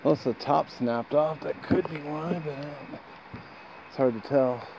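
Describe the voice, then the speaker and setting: A man with a creaky voice chatting casually and off the cuff as he vlogs outdoors on a trail, with dry asides. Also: on the high side, a little slow. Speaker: hiking vlogger. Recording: dull lo-fi outdoor sound, steady noise.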